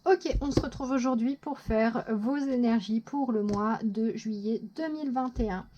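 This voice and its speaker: A woman giving a casual monthly tarot horoscope reading, chatty, excitable and quick to poke fun at herself. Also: fairly high pitch, highs cut off. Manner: chatty, self-mocking, excitable. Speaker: tarot reader.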